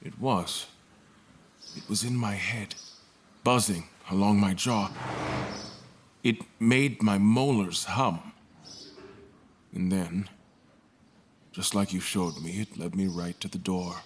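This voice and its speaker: An actor playing a frightened, confused captive in an audio drama, wary and defiant, speaking plainly and haltingly. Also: male voice, deep voice, steady tone, slight background noise. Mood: shaken, halting.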